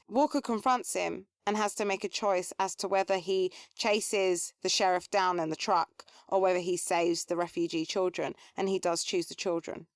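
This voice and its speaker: A woman co-hosting a podcast, explaining story points in casual, measured chat. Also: medium pitch, clear, resonant tone, dry recording, clean studio sound. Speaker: podcast co-host.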